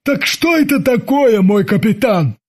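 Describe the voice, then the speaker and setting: A man's voice: very high voice, lively intonation, measured pace, a little mellow, voice pushed up, exaggerated voice. A man voicing a burly, dim-witted, childish henchman with a whiny, naive way of pleading. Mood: naive eager.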